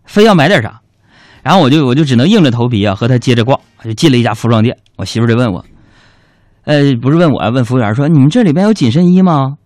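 Joking man with a lively voice. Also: medium pitch, fast talker, no echo. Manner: joking, self-mocking storytelling. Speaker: radio host. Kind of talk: comic monologue.

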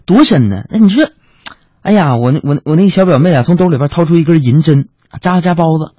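A man telling a comic story in a stand-up monologue, chatty and animated. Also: fairly quick, husky, no room sound, dull audio. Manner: chatty storytelling, jumping into high animated quoted voices.

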